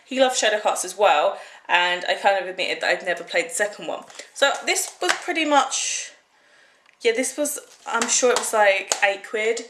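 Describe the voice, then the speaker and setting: A woman's voice: medium pitch, animated, normal speed, echoey room, noisy background. A young British woman in her twenties, chatting casually and rambling through a haul vlog. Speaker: vlogger.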